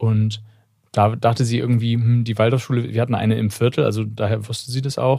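In a very clean recording with a silent background, a man speaks fairly quickly at a medium pitch, his voice dark, mellow and somewhat breathy, with monotone, flat intonation. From Hamburg, northern Germany. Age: 30s. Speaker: journalist and author. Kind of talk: interview conversation.

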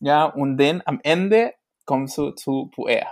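A man with a Spanish accent talks at a very slow pace. His pitch is fairly high, with ordinary variation. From Chile. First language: Spanish (speaking German). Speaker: tea expert. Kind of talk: casual interview. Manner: halting, many fillers.

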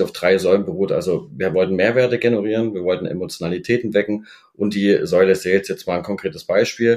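With hardly any pauses, a man speaks at a very fast pace in a fairly low pitch with ordinary pitch variation. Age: 30s. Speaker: e-commerce marketing manager. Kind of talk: interview.

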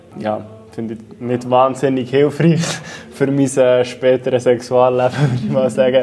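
Music plays in the background as a man talks at a fairly slow pace in a medium pitch. His intonation is fairly even, but his loudness swings widely. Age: 30s. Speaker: teacher. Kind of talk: interview.

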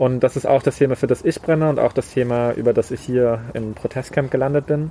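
A man talks at a fairly quick pace with a medium pitch and ordinary pitch variation. The sound is dry and close, with no echo. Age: 20s. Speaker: climate activist. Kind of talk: interview. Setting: food tent at outdoor protest camp, face mask.

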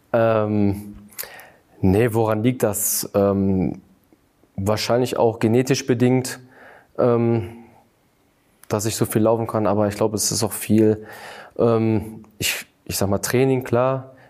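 Very slowly and with long, frequent pauses, a man speaks in a dark, mellow tone at a medium pitch with monotone, flat intonation, captured in a very clean recording with a silent background. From Germany, Ruhr area (Gelsenkirchen). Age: 30s. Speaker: professional footballer. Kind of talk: interview. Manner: halting.

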